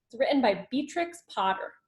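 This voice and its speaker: Female schoolteacher for a children's read-aloud: fairly high, animated, expressive, with chatty asides. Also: normal speed. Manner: expressive, with asides about the pictures. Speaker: schoolteacher reading to her class.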